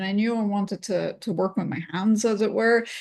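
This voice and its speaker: A woman talks at a fairly quick pace with a slight Irish accent. Her pitch sits in the medium range. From Ireland. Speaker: plastic surgeon. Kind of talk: casual interview.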